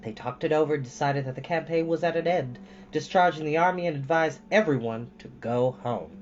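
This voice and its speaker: A man reading a storybook aloud as host, with expressive, deliberately stressed phrasing. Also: fairly high pitch. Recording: dull lo-fi sound with music behind.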